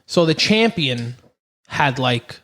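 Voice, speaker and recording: A man in his thirties hosting a podcast, telling a profane, animated story in casual chat. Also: mid-range voice, slow pace. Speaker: podcast host.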